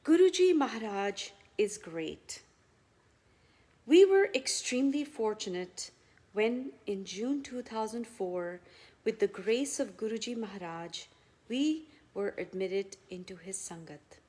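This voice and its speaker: A woman reading a scripted devotional testimonial aloud, phrase by phrase, starting phrases firmly and letting the endings trail off softly. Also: medium pitch, expressive, slow.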